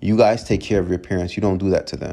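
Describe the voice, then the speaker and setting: With an American accent, a man rattles along at a very fast pace in a very deep, low pitch. His tone is dark and mellow, his intonation monotone and flat. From Long Island, New York. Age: 20s. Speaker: podcast host. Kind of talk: educational monologue. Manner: casual.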